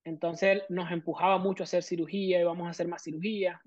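A man's voice: sits high, level tone, fast talker, dry recording, lo-fi sound. A man from Venezuela in his thirties with a Venezuelan accent, a guest explaining his career at length with many fillers. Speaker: guest prosthodontist. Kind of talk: casual interview.

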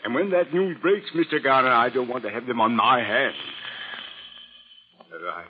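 A man's voice: medium pitch, normal speed, lightly acted. A man playing a cautious, shady art dealer in a 1940s radio drama, speaking formally and hesitantly, repeating his words. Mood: coolly withdrawing. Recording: muffled, faintly noisy old radio recording.

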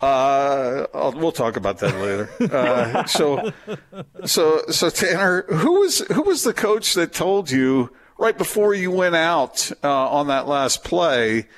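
A man hosting a sports radio talk show, asking questions in a joking, lively way. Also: fairly high pitch, slow pace. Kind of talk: casual sports radio chat.

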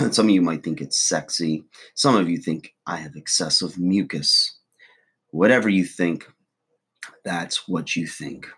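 A middle-aged man with a hoarse, froggy voice from allergies, casually chatting to camera as a fitness vlogger, loose and full of ums. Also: sits low, unhurried, a bit bright. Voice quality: husky.

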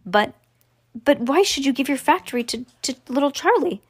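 A woman as an incredulous old grandfather, raised pitch. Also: expressive, normal speed. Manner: gasping, questioning, exclamatory.

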